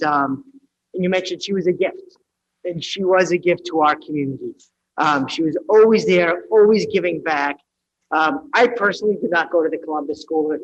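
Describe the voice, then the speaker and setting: A man serving as a city councilor, speaking haltingly with frequent fillers during council meeting remarks. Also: a little high, dull audio. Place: council chamber.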